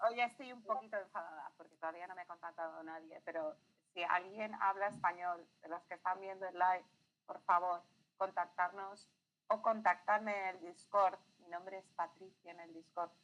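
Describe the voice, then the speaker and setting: Speaking at a very fast pace, a woman has a Spanish accent and a medium pitch. Her intonation is fairly even, though her loudness swings widely. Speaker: fan community livestream co-host. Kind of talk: announcement in Spanish; casual livestream chat.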